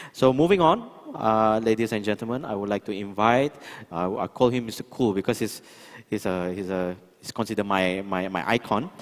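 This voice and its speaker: Over noticeable background noise, a man speaks at a moderate pace. His pitch is fairly low, with ordinary variation. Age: 30s. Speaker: panel moderator. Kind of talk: panel moderation.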